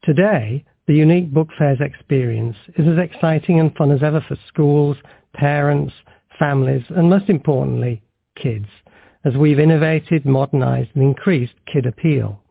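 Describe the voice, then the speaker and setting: Gravelly, husky male executive over phone line. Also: on the high side, normal speed, dry recording. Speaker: company executive on an earnings call. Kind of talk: scripted corporate presentation, read aloud. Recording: tinny, band-limited phone line.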